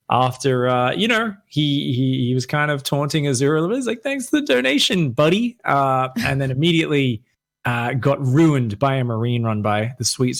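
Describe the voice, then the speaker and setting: A man casting a live esports match with energetic, hyping play-by-play and frequent fillers. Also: mid-range voice. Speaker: esports caster.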